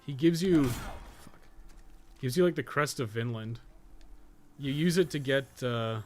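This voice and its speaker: A man talks through a video game live in a casual, unscripted way, swearing often and thinking aloud. His voice sits at an average pitch, with clear noise behind it. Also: measured pace, a little mellow. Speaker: game streamer and guide writer. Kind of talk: casual live gameplay commentary.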